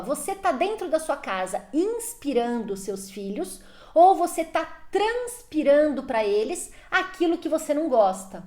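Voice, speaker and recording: A woman's voice: high-pitched, darkish tone. A woman with a Brazilian Portuguese accent giving parenting advice straight to her viewers, emphatic and full of rhetorical questions. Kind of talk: direct-to-camera advice talk.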